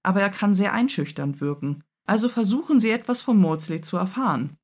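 A woman's voice: medium pitch, animated, a little fast, darkish tone, close to an everyday voice. A woman voicing a stern, commanding aristocratic lord of the manor, impatient with his servants. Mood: puzzled.

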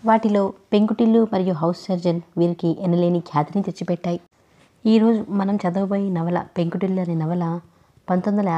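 Calm woman reading a novel aloud. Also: lowish voice. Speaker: storyteller.

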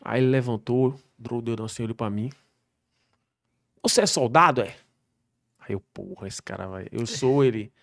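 A man, a military police soldier, telling slangy, animated stories on a podcast. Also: medium pitch, moderate pace, vocal fry, pauses often. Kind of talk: podcast storytelling.

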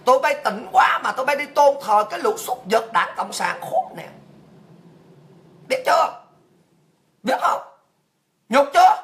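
This Vietnamese livestream host has a high, animated voice, speaking a little slowly with long pauses. She delivers a mocking, abusive tirade peppered with rhetorical questions.

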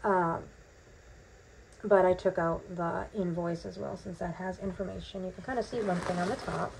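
Her voice is fairly low, steady, creaky and darkish, at a normal speed, on a low-quality recording with a little hiss or hum. This vlogger casually talks through an unboxing in her bathroom at home, rambling with many ums while her lost voice recovers.

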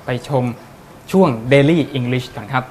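A man hosting a cooking show, giving a friendly, polite on-air product pitch with prices and a phone number. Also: slow, a little mellow. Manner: friendly, polite sales patter.

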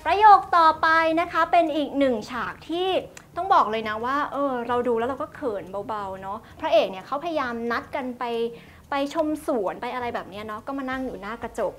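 A woman's voice: a little high, lively intonation, fairly quick, a bit bright, slight background noise. A young woman hosting a lesson, chatty and polite, explaining phrases word by word. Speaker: host teaching Chinese through drama clips.

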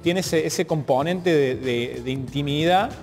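A somewhat high-voiced man with a Cordobese Argentine accent conducts a reflective interview. He phrases things haltingly and thoughtfully, often doubling back on words. His voice rings in a big hall, with music underneath. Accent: Cordobese Argentine Spanish. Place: large art gallery, indoors.

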